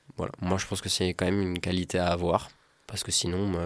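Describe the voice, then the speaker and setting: Very clean, with a silent background, the recording has a man speaking at a fairly quick pace with a very deep, low pitch and monotone, flat intonation. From France. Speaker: student and guitarist. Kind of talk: casual chat.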